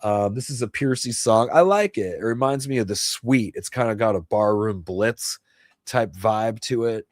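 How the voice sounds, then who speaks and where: Jersey guy in his 50s, kinda low voice, rambly laid-back livestream chat, dry mic. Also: normal speed, no room sound. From New Jersey. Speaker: livestream host and guitarist.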